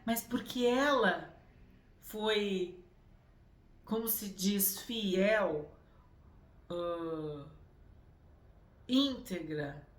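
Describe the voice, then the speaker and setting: A woman's voice: mid-range voice, very slow, long pauses, echoey room. A woman giving a Bible reflection, speaking with emphasis and repeating phrases for effect. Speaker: Bible teacher.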